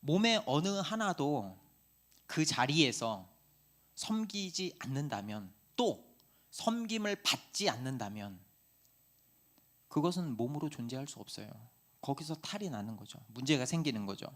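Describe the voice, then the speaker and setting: A middle-aged male pastor giving a sermon in a conversational, animated way, asking his listeners many questions. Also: fairly high pitch, measured pace.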